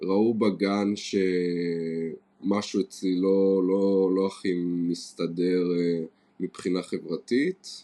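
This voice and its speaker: A man speaks at a very slow pace with a very deep, low pitch and a dark, mellow tone. The background is quiet. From Israel. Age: 20s. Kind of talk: interview about his life story.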